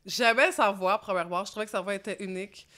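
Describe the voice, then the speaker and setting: Bright-voiced young Québécois woman. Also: mid-range voice, fast talker. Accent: Québécois French. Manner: lively, slangy, mixes English words into French. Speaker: rap artist guest. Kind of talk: casual interview chat.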